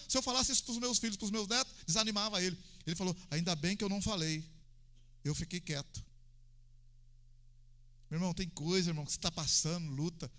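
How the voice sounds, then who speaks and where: A Brazilian man preaching with a high, very bright and forceful voice. He keeps it colloquial and conversational and breaks into loud, high-pitched cries when acting out a prayer. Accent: Brazilian Portuguese. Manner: animated, acts out prayers with sudden loud high shouts. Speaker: pastor. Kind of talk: evangelical sermon.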